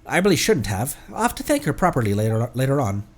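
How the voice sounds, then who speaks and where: A woman's voice: a bass voice, big pitch swings, quick pace, a little mellow, heavily acted. A woman voicing a flighty, forgetful young researcher in a video game, chatty and grateful. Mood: relieved, flustered. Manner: scatterbrained, chatty.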